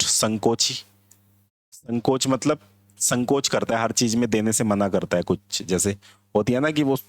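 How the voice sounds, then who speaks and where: Lower-voiced Indian man teaching vocabulary. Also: no echo. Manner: explains word by word, mixing simple English phrases into Hindi. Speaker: English teacher. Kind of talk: classroom vocabulary lesson.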